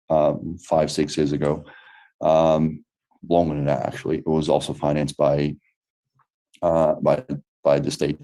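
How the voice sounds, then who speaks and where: A man's voice: a bass voice, mellow. A man from Brazil with a Brazilian Portuguese accent, answering questions after an online lecture, hesitant with many fillers and restarts. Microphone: video call.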